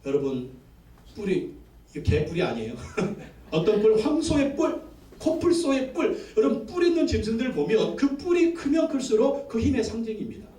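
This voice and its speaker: A male pastor preaches with emphasis, stacking repeated phrases and calling for responses. His voice sits high for a man. It carries through a roomy church sanctuary and is picked up from some way off. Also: very animated, moderate pace, warm tone. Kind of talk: sermon. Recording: echoey church from a distance.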